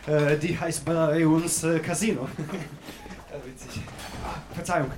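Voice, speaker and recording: A man's voice: fairly high pitch, fairly even intonation, unhurried, darkish tone, a little hiss or hum, lightly acted. A man playing a harried, flustered radio host in a comic radio play, stammering and pleading his way through a live show. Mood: flustered, searching.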